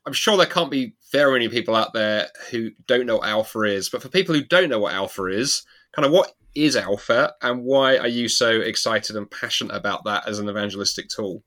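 A man's voice: lowish voice, fairly quick, hardly any pauses, bright, forceful tone. A man co-hosting a podcast, easygoing and joking with his co-host. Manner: jokey, easygoing. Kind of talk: casual podcast banter.

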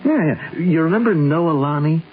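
An actor playing a stubborn, lovesick young American in a 1970s radio drama, speaking insistently and emphatically with an American accent. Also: male voice, on the high side, lively intonation, moderate pace, breathy edge. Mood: eager, troubled. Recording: muffled vintage radio broadcast, faint noise.

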